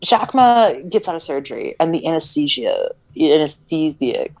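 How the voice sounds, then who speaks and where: A woman's voice: sits low, very animated, moderate pace, a little mellow, low-quality recording. A woman on a podcast retelling a movie plot in casual chat, full of "like" fillers and stumbles over words. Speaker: podcast co-host.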